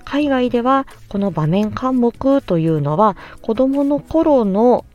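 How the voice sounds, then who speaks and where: A woman who works as a speech-language-hearing therapist hosts a podcast, explaining a topic politely and with measured pauses and frequent fillers. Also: a little high, animated, darkish tone, muffled recording, faint music behind.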